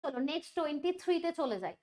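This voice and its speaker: A woman's voice: high-pitched, expressive, rapid-fire, darkish tone. A woman teaching an online quiz lesson, chatty and thinking aloud, often asking the students questions. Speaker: exam prep teacher.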